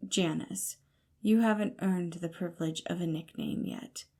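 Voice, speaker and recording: A woman's voice: fairly low pitch, measured pace, mellow. A woman voicing a haughty, exasperated male leader in an audio story, cool, dry and imperious. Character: haughty, exasperated man in charge of a bunker.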